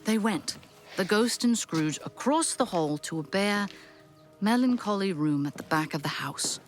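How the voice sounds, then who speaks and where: A woman playing the storyteller, giving expressive, literary narration in a scripted audio drama. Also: mid-range voice, a little slow, soft background music, close to an everyday voice. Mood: storytelling. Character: storyteller narrating a classic Christmas tale.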